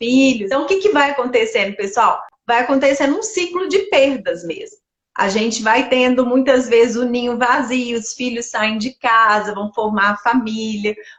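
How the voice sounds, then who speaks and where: The speaker has a Minas Gerais accent and a moderate pace. Loudness swings widely while the pitch varies in an ordinary way. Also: woman. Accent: Minas Gerais Brazilian Portuguese. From Minas Gerais, Brazil. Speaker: live stream host, doctor. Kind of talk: casual live interview. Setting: online live stream. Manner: talkative.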